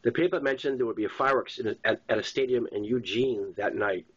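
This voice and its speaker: Male narrator, Boston accent, medium pitch, author reading a novel, plain delivery, slightly muffled lo-fi recording. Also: quick pace, husky. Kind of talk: audiobook-style narration of a first-person novel. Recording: dull lo-fi sound.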